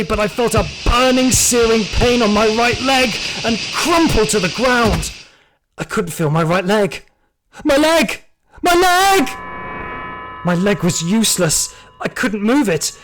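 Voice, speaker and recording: Man playing an anguished, high-voiced wounded security guard. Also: rough recording. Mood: agonized. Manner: intense, anguished, theatrical. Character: terrified wounded male security guard recounting his ordeal. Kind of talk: dramatic first-person audio drama narration. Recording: loud music behind the voice.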